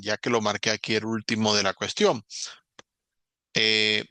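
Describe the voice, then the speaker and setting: Gravelly man explaining a grammar lesson. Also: medium pitch, pushed and bright, dry recording. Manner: explains slowly, repeats examples, checks in with "¿ok?". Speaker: English teacher.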